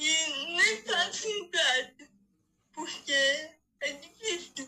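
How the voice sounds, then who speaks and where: In a raised, projected voice, a woman speaks at an extremely high pitch with a bright, sharp tone and ordinary pitch variation. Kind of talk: public talk. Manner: slow.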